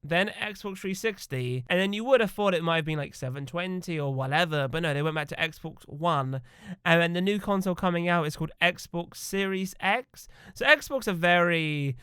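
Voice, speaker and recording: A man's voice: on the high side, normal speed, sharp tone, clean tone, no room sound. A man with a cough from a cold and a slightly nasal voice, chatting casually to camera in a gaming video, rambling with fillers.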